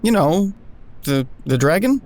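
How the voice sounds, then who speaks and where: An actor playing a wry, awkward man who narrates his own story in an audio drama with self-deprecating, deadpan, wordy humor. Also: high-pitched, measured pace. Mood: casual, awkward. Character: wry, awkward smoker man narrating a reunion with old friend. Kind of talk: first-person scripted narration and dialogue in audio drama.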